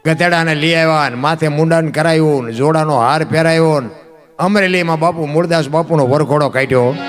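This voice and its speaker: A man's voice: fairly high pitch, brisk, soft background music. A man from Gujarat, telling devotional folk stories in a rhythmic, repeating way. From Gujarat, India. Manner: rhythmic, repeats phrases for emphasis, addresses listeners as bapu. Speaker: folk storyteller.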